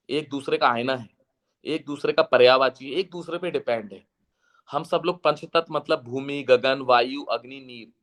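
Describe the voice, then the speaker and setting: A man giving an earnest devotional lecture to a seated audience, his voice slightly hoarse, slowing into a chant when he recites verses. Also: fairly high pitch. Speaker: guest speaker.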